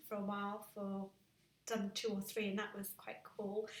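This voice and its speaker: A woman with a British accent. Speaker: beauty YouTuber and makeup artist. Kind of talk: live stream chat. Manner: halting, stumbles over words.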